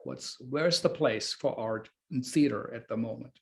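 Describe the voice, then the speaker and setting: A man hosting a thoughtful, casual interview, speaking in a halting, loosely phrased way as he works through his questions. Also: mid-range voice, gravelly. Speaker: host, interviewer.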